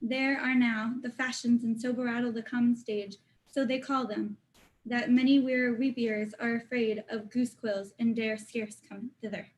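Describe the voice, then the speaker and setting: A woman playing a deferential young male courtier in a dramatic reading of Shakespeare, courteous and measured. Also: a little high, little pitch movement, lightly acted, low-quality recording. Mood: informative, polite. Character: deferential young courtier, Hamlet's old schoolfriend.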